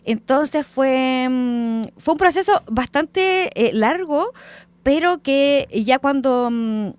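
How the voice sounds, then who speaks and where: A woman from Chile, a composer answering radio interview questions hesitantly, with many pauses and fillers. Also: sits high, lively intonation, darkish tone, no echo.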